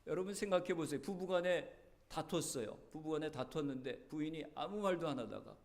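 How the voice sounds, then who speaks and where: Male pastor, high-pitched, earnest sermon storyteller. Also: fairly quick. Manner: earnest storytelling preacher, voice rising and dropping. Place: church sanctuary.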